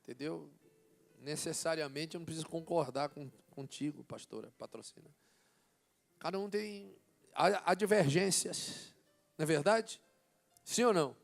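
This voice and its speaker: High-voiced, gravelly preacher man. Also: normal speed, long pauses, faint music behind. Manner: asks the congregation questions, acts out dialogues. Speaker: bishop preaching. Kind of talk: sermon. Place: church service.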